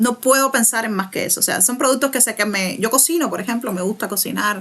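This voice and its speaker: A woman with a Cuban accent talks at a very fast pace, with fairly high pitch and ordinary pitch variation. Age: 30s. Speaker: writer. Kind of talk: interview.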